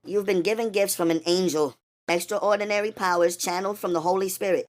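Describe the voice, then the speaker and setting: A man voicing a weary, mysterious woman with angelic powers, speaking calmly and knowingly. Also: fairly quick, close to an everyday voice. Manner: calm, knowing, low-key. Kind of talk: audiobook character voice.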